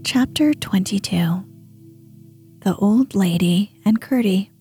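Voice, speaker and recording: A woman narrating a storybook chapter in a hushed, breathy reading voice. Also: medium pitch, slow, faint music behind. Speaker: audiobook narrator.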